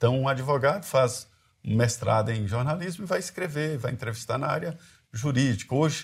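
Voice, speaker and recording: A man speaks at a moderate pace in a medium pitch, somewhat breathy. His pitch varies in an ordinary way, on a very clean recording with a silent background. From Minas Gerais, Brazil (Vale do Jequitinhonha). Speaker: political journalist and commentator. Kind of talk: interview. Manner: halting, with frequent repetitions.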